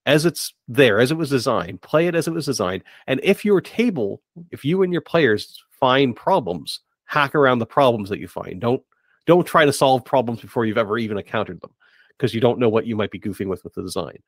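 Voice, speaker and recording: A man's voice: medium pitch, lively intonation, brisk, dry recording, studio quality. A man hosting a podcast, talking conversationally and somewhat tentatively as he rephrases his thoughts. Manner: tentative, hedging, circles back to rephrase. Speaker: podcast host. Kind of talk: conversational interviewing.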